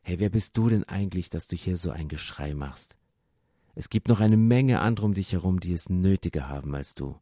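A man voicing a crowd of scornful people who hush and belittle someone. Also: expressive, brisk, no echo, clean studio sound. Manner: hushing, belittling, low. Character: scornful male crowd of naysayers.

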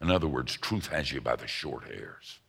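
A man's voice: rumbling low, expressive, normal speed, creaky, pushed and bright, breathy edge. A male preacher giving a sermon to a congregation at an evening church service, folksy, emphatic and joking.

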